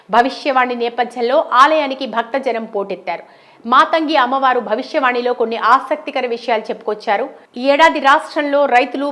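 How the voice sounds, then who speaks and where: Female news narrator, somewhat high pitch, scripted voice-over read. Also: a bit bright.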